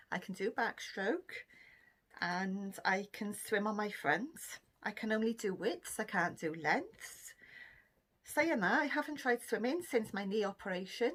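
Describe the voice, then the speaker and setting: A woman's voice: medium pitch, a bit bright. A middle-aged Welsh woman from Cardiff, chatting casually through a list of questions for her vlog, with frequent ums and laughter. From Cardiff, Wales. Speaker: vlogger. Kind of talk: casual chat answering a question tag.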